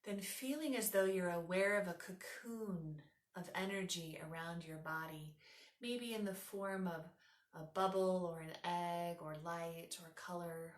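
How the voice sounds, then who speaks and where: A woman with a fairly low voice leads a guided relaxation as a yoga teacher. Her delivery is soothing and unhurried, giving gentle step-by-step instructions. The recording has a clearly roomy echo around her voice. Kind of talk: guided meditation.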